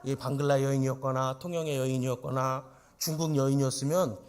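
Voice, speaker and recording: A man's voice: medium pitch, steady tone, a little fast, darkish tone, clean tone. A male pastor preaching an emphatic sermon in church, often turning to the congregation with rhetorical questions.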